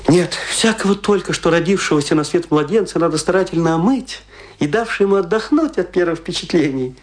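A man's voice: fairly high pitch, lively intonation, close to an everyday voice. Man acting tipsy, grandiose actor, wildly swooping voice. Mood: bitter, rueful. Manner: declamatory, self-pitying, grandiose, with dramatic pauses. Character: boastful, aggrieved, tipsy provincial actor ranting theatrically. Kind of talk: theatrical radio play monologue.

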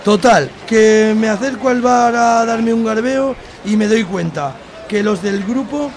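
A man playing an excitable bar regular who tells brawling tales in a radio comedy. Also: high-pitched, measured pace, a little hiss or hum. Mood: excited, indignant. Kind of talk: amateur radio soap comedy.

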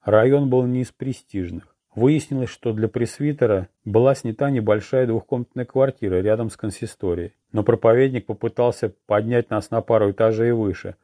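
A man reading a detective novel as an audiobook narrator in a measured, even manner. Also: medium pitch, no echo, studio quality. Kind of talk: scripted narration.

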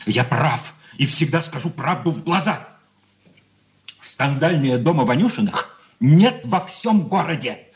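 Mocking young son-in-law, sarcastic, higher voice, very lively. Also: male voice, a little slow. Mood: self-righteous. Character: sneering, self-righteous young son-in-law. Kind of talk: 1980s studio radio play acting.

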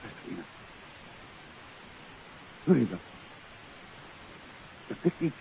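A man playing a shrewd, urbane detective husband in the expressive manner of 1950s Dutch radio drama. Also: medium pitch, takes it slowly, vocal fry, full character voice. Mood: alarmed, urgent. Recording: dull, hissy 1950s radio recording.

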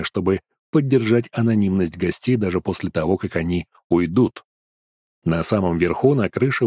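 A man narrates an audiobook with a low, steady voice. His reading is even and measured. The sound is close and dry, with no room echo. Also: husky. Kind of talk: scripted first-person fantasy narration.

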